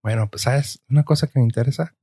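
A man with a northern Mexican accent hosting a casual podcast, telling animated stories and acting out other people's lines with crude slang. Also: mid-range voice, fast talker, breathy edge. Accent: northern Mexican Spanish. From Ciudad Juárez, Mexico. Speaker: podcast host.

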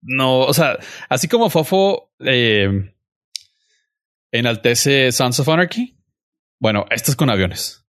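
A man's voice: medium pitch, expressive, takes it slowly, pauses often, fairly bright tone, dry recording. A young Mexican man talks over a podcast mic in a slangy, opinionated way. His voice sits in a middle range and the sound is dry and close. He gives his views firmly and holds his ground. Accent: Mexican Spanish. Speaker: podcast host. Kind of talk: casual chat reviewing a series.

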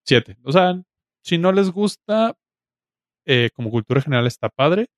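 A man's voice: fairly high pitch, animated, measured pace, dry recording, studio quality. A man from Mexico with a Mexican Spanish accent, chatting casually as a podcast host in slangy, joking language. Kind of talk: casual chat.

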